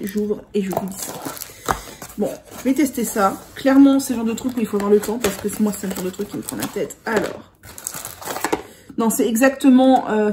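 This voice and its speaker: A woman's voice: fairly high pitch, background noise. A woman vlogger chatting casually about products, rambling with many hesitations.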